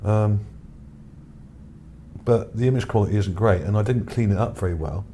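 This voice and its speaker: This video narrator talks loosely over his own image finds, unscripted, tentative and thinking aloud. He has a fairly low, mellow voice and keeps a moderate pace, with background noise audible beneath him.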